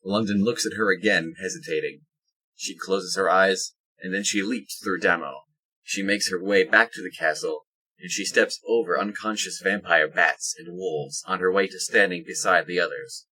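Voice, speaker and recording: Low raspy guy narrating an audio drama, bright forceful tone. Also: fairly even intonation, moderate pace, rough recording. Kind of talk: scripted present-tense action narration.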